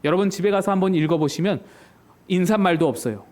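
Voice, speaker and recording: A man's voice: sits high, quick pace, darkish tone. A male pastor preaching a Sunday sermon in an emphatic storytelling manner. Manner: storytelling, emphatic, acts out quotes.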